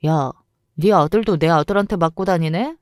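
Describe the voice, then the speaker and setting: A woman's voice: fairly low pitch, normal speed, no echo, clean studio sound, close to an everyday voice. A woman voicing a smug, mocking former school bully who gloats and sneers. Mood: gloating.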